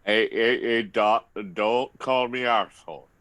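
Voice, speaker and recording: A slow, dry-sounding male voice as a man acts out a pompous vampire. He speaks formally and haltingly, like a wounded old flame in a comedy script. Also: mid-range voice, fairly even intonation, fairly bright tone, clear, resonant tone, dry recording. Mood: flustered. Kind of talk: virtual table read of a comedy script.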